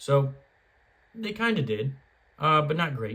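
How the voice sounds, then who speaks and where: A somewhat breathy male voice. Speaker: fantasy football commentator. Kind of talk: casual sports tips monologue. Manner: casual, with fillers.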